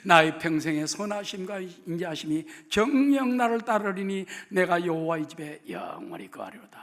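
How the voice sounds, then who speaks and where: A man's voice: high-pitched, sing-song, normal speed, gravelly, a bit bright, full character voice. A man voicing a famous actor who recites a psalm in a sonorous, stately way. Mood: solemn. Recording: long reverb of a large hall.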